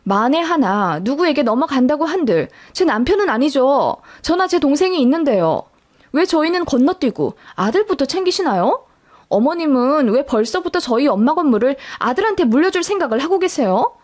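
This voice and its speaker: A woman voicing her own younger self as an indignant young wife, sharp and raised above her narrating voice. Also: sits high, very animated, normal speed. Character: indignant young married woman confronting her mother-in-law.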